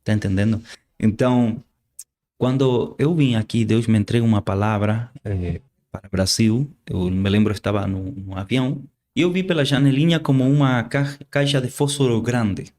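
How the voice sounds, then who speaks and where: A medium-pitched, slightly mellow voice comes from an Argentine man, a native Spanish speaker with a local accent, appearing as guest preacher. Preaching in an interview, he's earnest and halting, with frequent word repetitions.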